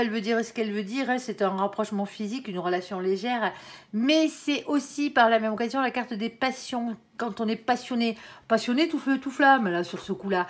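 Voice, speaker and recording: A tarot reader gives her viewers a casual reading in a slightly high voice. She's chatty and colloquial, full of "hein" and "euh," and calls the viewer "mon ange." As she turns cards she thinks aloud, corrects herself and laughs.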